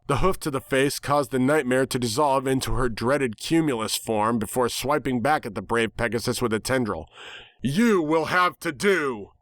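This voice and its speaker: A man's voice: medium pitch, moderate pace, few pauses. A man giving a dramatic scripted reading of a story as its narrator.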